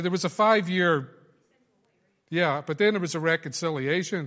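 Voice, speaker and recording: A man speaks in an Irish accent with a fairly high pitch and ordinary pitch variation. The background is quiet. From Ireland. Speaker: minister giving Bible teaching. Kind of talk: Bible lesson. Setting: church.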